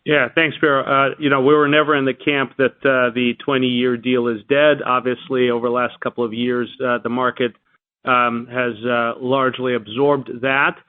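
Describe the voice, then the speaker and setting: Male executive, earnings call answers, halting measured delivery, flat intonation, tinny telephone audio. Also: mid-range voice, dry recording. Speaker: company executive answering analysts. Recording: narrow-band tinny phone line.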